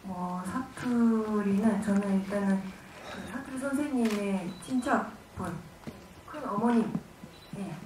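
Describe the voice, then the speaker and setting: An actress from Gwangju giving halting, informal answers at a press conference. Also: female voice, mid-range voice. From Gwangju, South Korea. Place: cinema auditorium. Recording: echoey hall, distant mic, noisy.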